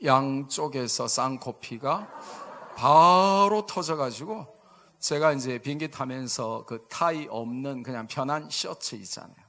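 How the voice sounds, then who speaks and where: A man's voice: mid-range voice, unhurried. A man in his fifties with a Busan accent, a pastor telling a funny story in a sermon and drawing replies from the congregation. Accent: Busan Gyeongsang dialect. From Busan, South Korea. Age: 50s. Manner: animated, jokey, asks the congregation for replies. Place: church sanctuary.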